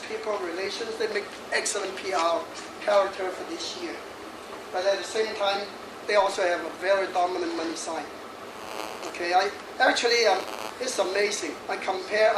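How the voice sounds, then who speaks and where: A high-voiced man in his sixties, a feng shui master, gives a lively, jokey lecture to an audience in a hall, laughing often and chatting between points. He is far from the mic, and the hall audio is echoey and noisy.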